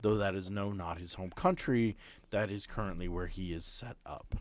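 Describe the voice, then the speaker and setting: A man acting as game master, narrating a tabletop role-playing game in a deliberate, descriptive way with pauses mid-sentence. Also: low-pitched. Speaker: game master and host of an actual-play podcast. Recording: background music under the voice.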